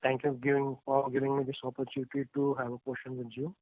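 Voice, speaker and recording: A male investor calling in to question company management, speaking in halting, broken phrases over the phone. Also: medium pitch, completely flat delivery, no echo. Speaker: investor caller asking questions. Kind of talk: earnings call question. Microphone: phone call. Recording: thin, narrow phone line.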